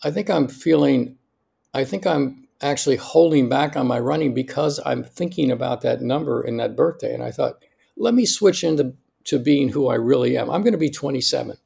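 An American man in his sixties speaking as a podcast guest in a conversational, emphatic way, often checking in with a quick "right?". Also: mid-range voice, gravelly, mellow, breathy edge. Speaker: podcast guest, longevity doctor. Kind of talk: conversational interview, personal anecdotes.

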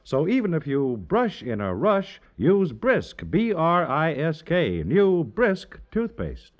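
A man's voice: a little high, huge pitch swings, slow pace. A man reading scripted copy as a 1950s radio announcer, on a muffled old recording.

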